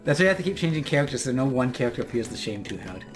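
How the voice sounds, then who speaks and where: A man's voice: medium pitch, animated, racing. A young man co-hosting a let's play, teasing his brother and chatting animatedly. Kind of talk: casual gameplay banter. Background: game music.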